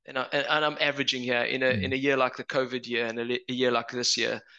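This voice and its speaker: A man with a South African accent at a very fast pace, bright, sharp tone with vocal fry, monotone and flat intonation, quiet background. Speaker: investment firm founder. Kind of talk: interview. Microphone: headset.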